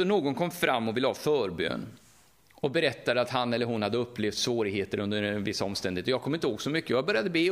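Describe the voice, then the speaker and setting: Here a middle-aged Swede from Västergötland, with the accent of that region, gives an animated, conversational sermon peppered with questions to the listeners. His voice is on the high side.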